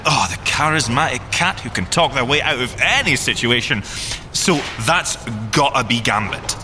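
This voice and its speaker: An actor playing a boyish, excitable, boastful inventor agent in audio drama banter, with a theatrical delivery. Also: male voice, mid-range voice, moderate pace, over music, lightly acted. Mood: playful, enthusiastic. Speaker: agent and engineer character.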